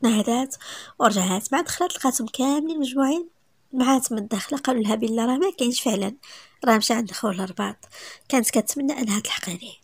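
A woman with a Moroccan accent reading a romance story aloud, brisk and even, dropping to a soft whisper at times. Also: on the high side, breathy edge, dry recording.

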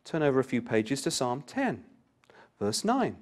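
A man's voice: mid-range voice, very animated, unhurried, a little mellow. A man giving a Bible study talk, reading scripture aloud with rising emphasis and turning to the listeners with direct questions. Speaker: Bible class speaker.

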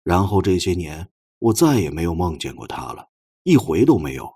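一名男播讲者在有声小说里扮演一个腼腆笨拙、真诚而怀着哀思的年轻男人，说话磕磕绊绊。. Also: male voice, low-pitched, sing-song, dark tone, slightly rough, full character voice. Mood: quiet sorrow. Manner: halting, stammering, awkward. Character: shy, clumsy, earnest young man, tenderly grieving. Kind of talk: audiobook character dialogue.

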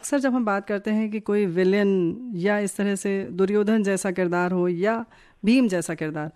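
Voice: mid-range voice, moderate pace, darkish tone, clear, resonant tone. Encouraging radio interview host. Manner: encouraging, many short affirmations.

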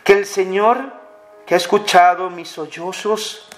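A man leading a slow, fervent spoken prayer, pleading and pausing often. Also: sits high. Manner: pleading, fervent, many pauses. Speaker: prayer leader. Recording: clear music bed under the voice. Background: music.

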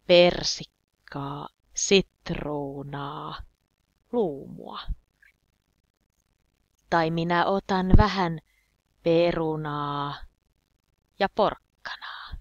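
A woman teaching a beginner language lesson, speaking deliberately and repeating simple example phrases. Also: on the low side, no room sound, highs cut off.

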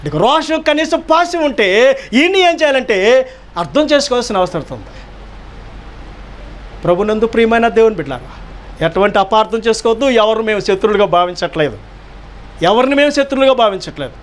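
A man's voice: sits high, animated, brisk, long pauses. A man pastor delivering a sermon, emphatic, firing rhetorical questions and repeating key phrases.

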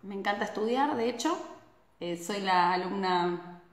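A woman in her thirties with an Argentine Spanish accent talks to viewers in a chatty live stream, tossing in constant tag questions as she gestures. Her pitch sits in a middle range for a woman. The phone at arm's length picks up a small room with a noticeable echo. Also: expressive, unhurried. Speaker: Ayurveda doctor hosting a live stream. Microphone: phone camera at arm's length. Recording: echoey room.

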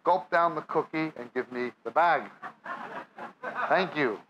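A man's voice: a little high, a little slow, muffled recording, a little hiss or hum. A man with a New York accent preaching a sermon, reading scripture aloud and then explaining it to a live audience. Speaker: Bible teacher. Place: church or meeting hall with audience.

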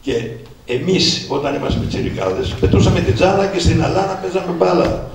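A man's voice: sits high, sing-song, gravelly. A man in his sixties, an author presenting his book, telling personal stories to an audience, speaking to them directly and acting out old conversations. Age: 60s. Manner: anecdotal, addresses listeners directly and acts out old dialogues. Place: event hall at a book presentation. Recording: echoey hall, distant mic, faint noise.

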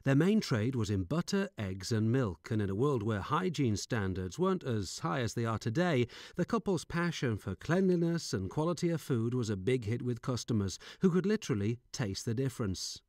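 A middle-aged man with a soft Northern English accent reads scripted corporate narration in a measured, informative storytelling manner, close on a studio microphone. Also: mid-range voice, big pitch swings, no echo. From Northern England. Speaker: voice-over artist. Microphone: studio microphone with pop shield.

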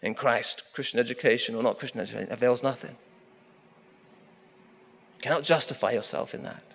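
A middle-aged man preaches from a pulpit microphone, his voice carrying a long church reverb. He speaks at an ordinary pitch and leans hard on repeated phrases, slowing down to drive each one home. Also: creaky, fairly bright tone. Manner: emphatic, repeating key phrases, slowing down for weight. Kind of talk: sermon. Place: church sanctuary at a wooden pulpit.

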